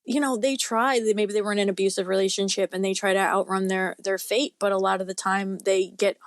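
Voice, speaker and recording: A woman's voice: medium pitch, steady tone, fairly quick, no room sound, studio quality. A woman speaking as a guest author in a casual interview, talking in an earnest, rambling, tentative way.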